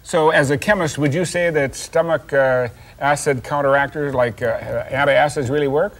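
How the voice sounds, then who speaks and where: An older man hosting a science show, patiently explaining an experiment step by step to a child with gentle teasing, recorded on a studio kitchen set. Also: a little high, steady tone, moderate pace.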